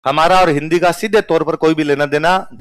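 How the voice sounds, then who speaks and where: A man's voice: a little high, steady tone, fairly quick, no room sound, clean studio sound. A male teacher with a Rajasthani accent, giving a conversational, self-mocking storytelling lecture to his students. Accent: Rajasthani Hindi.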